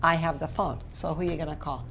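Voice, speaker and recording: Teasing woman co-host, lowish voice. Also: fairly even intonation, quick pace, a crowd in the background. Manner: teasing, playful. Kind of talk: casual chat. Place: hotel room.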